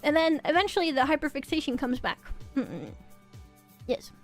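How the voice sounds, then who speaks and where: Young woman streamer, high voice, casual rambling chat, soft music underneath. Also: big pitch swings, normal speed. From Norway. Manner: rambling, restarts and repeats words.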